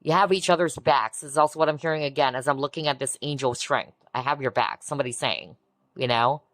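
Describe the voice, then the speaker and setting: A woman giving a collective tarot reading in a soft, reassuring way, often breaking into amazed exclamations. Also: very deep voice, fairly quick, dry recording. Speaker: tarot reader. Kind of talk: pick-a-card tarot reading.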